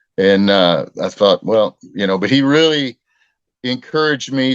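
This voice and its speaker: This man has an American accent and a normal speaking voice, with ordinary pitch variation at a moderate pace. The sound is dry and close, with no echo. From southern Indiana, New Albany. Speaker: retired pro wrestler. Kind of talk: casual interview chat.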